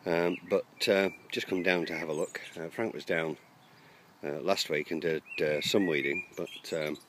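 A man's voice: sits low, steady tone, measured pace, background noise. A man casually narrating a walk around his garden allotment, talking hesitantly with many ums and uhs, recorded outdoors on a handheld camera. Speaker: allotment vlogger.

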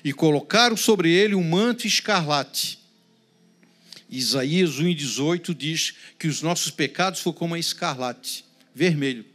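High-voiced Brazilian man preaching a sermon. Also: normal speed. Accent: Brazilian Portuguese. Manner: dramatic preaching, swings between loud emphasis and hushed prayerful tones. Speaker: pastor.

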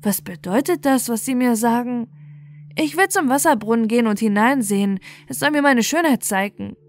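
A woman voicing a proud young boy in a fairy tale, with sharp, emphatic delivery. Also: fairly high pitch, moderate pace, pitched above the performer's own voice, natural voice. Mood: troubled, remorseful. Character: proud, cruel, scornful young boy, later remorseful.

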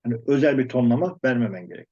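A man's voice: mid-range voice, expressive, very fast, dark tone. A man giving blunt, emphatic advice about learning English in a casual discussion, often breaking off and restarting his words. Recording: dull lo-fi sound.

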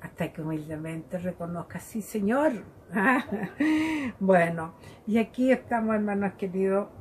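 A woman gives a devotional Bible reflection in a gentle, conversational manner, laughing often. Her voice sits at a middle pitch. A faint noise runs under the recording. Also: animated, measured pace. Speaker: lay preacher.

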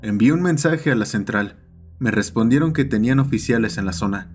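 A man's voice: medium pitch, expressive, a little fast, soft background music. A man doing scripted first-person narration for an audio horror story.

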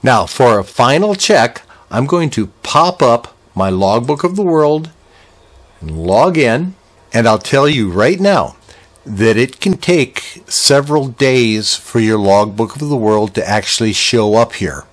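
An older American man in his sixties walks listeners through a software tutorial. He explains each step plainly and conversationally, with a medium-pitched voice. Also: animated, measured pace. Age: older, around 60s. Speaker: video tutorial presenter.

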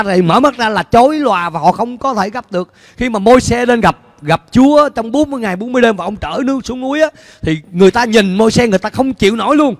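A middle-aged man preaching a sermon as pastor on a church stage with a handheld mic, animated and putting questions to the congregation. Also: high-pitched. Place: church stage before a large screen, indoors. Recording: long hall reverb in a large church.

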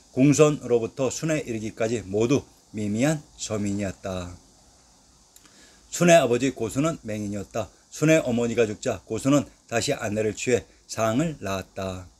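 A man narrates a history lesson from a script, in a voice of ordinary middle pitch. He recites old place names one after another in a steady, measured way, letting each list drop at the end. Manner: steady recited delivery, lists of names with a falling close.

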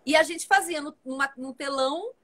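A woman in her forties chats with animated energy over a video call from home. Her voice sits a little high for a woman, and she talks on in long, busy runs while gesturing. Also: moderate pace. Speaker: actress, guest. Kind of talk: casual live video chat. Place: home room with plants and shelves.

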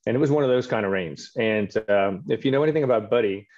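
A middle-aged native French speaker from Quebec, Canada, an orthopedic surgeon, is a guest on a casual video call interview from his home office. His voice is fairly low and he talks fast, telling relaxed stories full of fillers. The call audio is dull and lo-fi.

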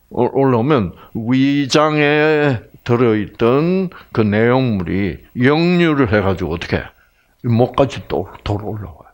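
An older man lecturing on health in a large hall, talking slowly with a lively, rising and falling pitch. He jumps between loud exclamations and near-whispered asides. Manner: animated, swings between exclaiming and hushed asides.

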